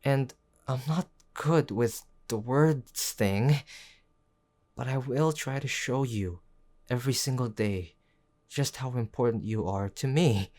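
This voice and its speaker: A man playing a gruff but tender tsundere boyfriend in an intimate audio roleplay, speaking in a halting, earnest way. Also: medium pitch, a little mellow, natural voice. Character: gruff young tsundere boyfriend, worried, stubborn, tender underneath.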